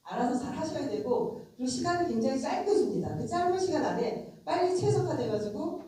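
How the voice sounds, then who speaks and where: In a very echoey convention center lecture hall, heard from a distant mic, a middle-aged lawmaker with a cold talks frankly and emphatically to her audience in a conversational lecture. Her voice is high-pitched and mellow, animated and a little fast.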